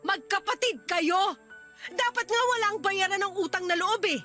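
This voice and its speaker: A sharp-tongued angry wife. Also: female voice, very high-pitched, moderate pace, over music. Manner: heated, scolding. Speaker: radio drama actress. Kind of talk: radio drama acting.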